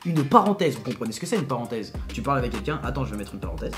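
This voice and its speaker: A man's voice: medium pitch, big pitch swings, rapid-fire, faint music behind. A man giving casual, slangy commentary in an incredulous, emphatic way, often repeating himself. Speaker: YouTuber commenting on his recorded call.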